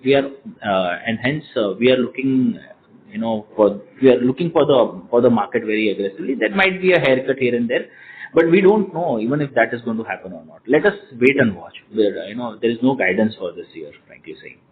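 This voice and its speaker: A man's voice: medium pitch, lively intonation, a little fast, narrow, tinny audio, a little hiss or hum. A man with an Indian accent answering investor questions as a company executive, hesitant and often repeating words and phrases, over a phone conference line. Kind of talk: earnings call question and answer.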